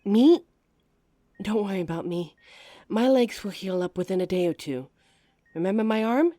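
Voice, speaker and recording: A woman playing a devoted, protective werewolf lover in an audio drama, anxious, tender and halting. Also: mid-range voice, lively intonation, mellow, no echo, close to an everyday voice. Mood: worried, tender.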